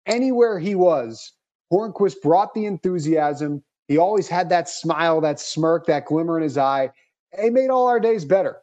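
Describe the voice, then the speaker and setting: Male podcast host, slightly high voice, fluent and upbeat, reads from a script. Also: normal speed, darkish tone, muffled recording. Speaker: podcast host and hockey reporter.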